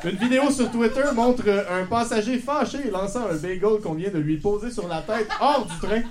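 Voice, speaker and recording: A man's voice: high-pitched, normal speed, a crowd in the background. A man reading odd news items aloud in a dry delivery with small slips. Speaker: news columnist.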